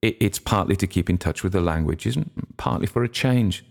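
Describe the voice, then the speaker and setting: A man's voice: sits low, fairly quick, gravelly, voice pushed up. A man voicing an awkward, defensive middle-aged man who stammers at the start of his replies. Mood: flustered.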